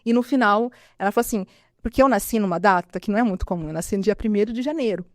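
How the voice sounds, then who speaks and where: A woman's voice: medium pitch, very fast, dry recording, clean studio sound. A Brazilian woman telling a personal testimony in an interview, acting out what others said as she goes. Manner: animated storytelling, quotes others' speech. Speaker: guest sharing testimony.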